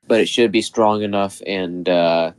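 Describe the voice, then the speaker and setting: A man guest on a live weather stream, a little raspy from being sick, explaining storm data steadily. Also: sits low, fairly even intonation, measured pace.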